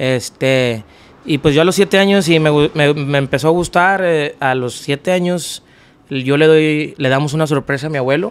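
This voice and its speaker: A man's fairly high voice shows ordinary pitch variation and moves at a moderate speed. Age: 30s. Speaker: regional Mexican musician; interview guest. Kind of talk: casual interview chat. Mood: calm, reflective, warm. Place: studio. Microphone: studio mic.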